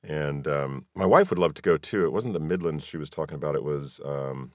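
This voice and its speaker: An American man hosting a podcast interview, chatty and quick to laugh, often pausing on fillers. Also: a bass voice, no echo, clean studio sound. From United States. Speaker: podcast host. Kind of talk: casual interview chat.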